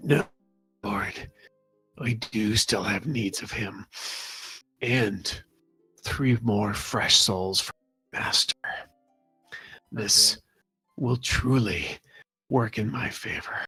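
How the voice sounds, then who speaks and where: A man whispers in a put-on character voice at a very slow pace, with long, frequent pauses. Hissing and faint music sit in the background. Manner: whispering and hissing.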